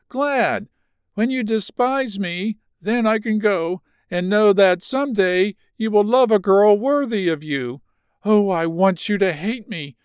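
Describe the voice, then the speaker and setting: A man's voice: high voice, clean tone, no room sound, studio quality, voice pushed up. A man voicing a guilt-stricken young wife who speaks in anguished, pleading tones.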